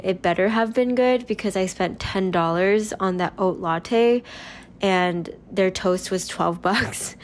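A woman's voice: on the low side, a little hiss or hum. A young woman hosting a casual solo podcast, chatting in an upbeat, rambling way while still getting over a cold. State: recovering from a cold. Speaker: podcast host.

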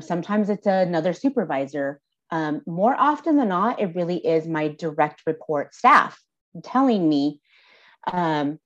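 Low-voiced woman, candid and thoughtful. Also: a little mellow, highs cut off. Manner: thoughtful, candid, lightly laughing between points. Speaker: social services supervisor, podcast guest. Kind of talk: casual interview answers.

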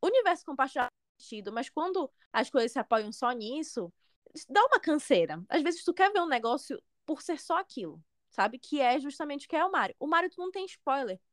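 A woman with a high voice co-hosting a podcast, talking in a relaxed, conversational way. The sound is dry and close, with no room around it. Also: brisk, no room sound. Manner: relaxed, conversational, laughs easily. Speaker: podcast co-host. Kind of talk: casual podcast chat.

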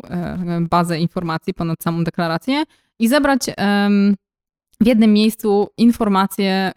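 Her medium-pitched voice has a darkish tone as this young woman co-hosts a casual podcast conversation. She explains at length, often pausing to hesitate or reach for fillers.

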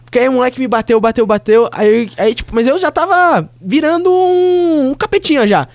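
A man chatting casually on a podcast, telling an animated story and slipping into voices for its characters. His pitch swings widely as he talks, and the sound is close and dry with no room echo. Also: normal speed. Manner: animated storyteller, acts out voices, laughs often. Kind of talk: casual chat.

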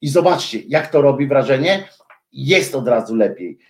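A man's voice: medium pitch, lively intonation, normal speed, darkish tone, reverberant. A man delivering a heated, scornful political rant straight to his viewers, with many hesitation fillers. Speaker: political commentator. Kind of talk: ranting monologue to viewers.

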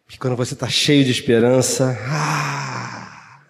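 A man preaching a fervent sermon, swinging from shouts to hushed tones. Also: mid-range voice, steady tone, measured pace, gravelly. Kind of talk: lively sermon. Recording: long reverb of a church hall.

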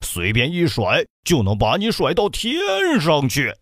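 A man's voice: a little high, wildly swooping pitch, a little slow, a bit bright, dry recording, full character voice. Guy doing a boastful dumb black bear, swoopy bragging voice, dry close sound. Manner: bragging, blustery. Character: big boastful male black bear, dim and proud.

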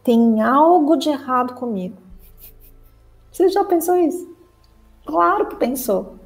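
A woman from Brazil, giving a spiritual talk to her viewers as a teacher and therapist, lively and expressive, acting out the inner voice of the mind. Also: sits high, measured pace, gravelly, soft background music, rough recording.

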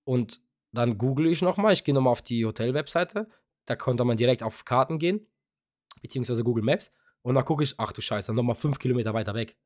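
A man's voice: mid-range voice, brisk, darkish tone, dry recording, clean studio sound. A young man co-hosting a podcast, telling a long casual story with lots of fillers and offhand swearing. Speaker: podcast co-host. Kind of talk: casual chat.

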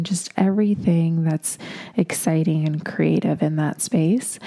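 Gravelly low-voiced woman podcaster. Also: warm tone. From Moldova. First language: Russian. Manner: chatty and rambling, with frequent likes and you-knows. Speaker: podcast host, makeup artist. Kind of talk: casual solo podcast monologue.

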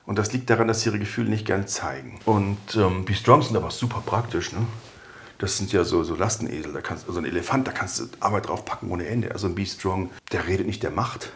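A man talking through personality types in a relaxed, conversational podcast style, adding anecdotes about former colleagues. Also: deep voice, quick pace. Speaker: podcast expert on personality development. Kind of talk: conversational explanation.

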